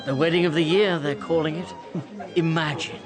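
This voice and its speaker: A man playing a pompous, boastful baron hosting a society wedding, booming and self-satisfied. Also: fairly even intonation, normal speed, natural voice. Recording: loud party crowd and music behind. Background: loud crowd chatter and music.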